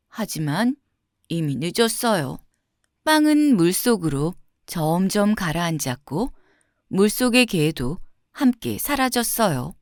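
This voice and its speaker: A woman tells a children's fairy tale as a scripted narration. Her delivery is gentle and very melodic, phrase by phrase, with a close, dry sound. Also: a little high, dry recording. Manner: gentle, expressive storytelling with clear phrasing.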